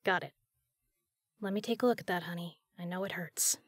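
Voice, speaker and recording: A woman's voice: lowish voice, a little fast, no echo, studio quality, close to an everyday voice. An actress playing a tough, commanding but caring female spy in an intimate audio drama. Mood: brisk.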